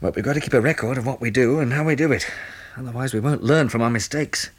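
An actor playing a practical, weary English survivor turned farmer, earnest and matter-of-fact, in a 1960s British radio drama. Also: male voice, mid-range voice, fast talker, lightly acted. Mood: wry, reflective.

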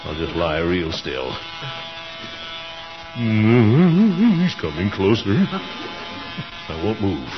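An actor playing a pompous, easily flustered middle-aged man in a 1940s radio comedy, his voice jumping to squeaks when he gets annoyed. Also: big pitch swings, very slow, long pauses, music in the background, exaggerated voice. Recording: dull, noisy old radio broadcast.

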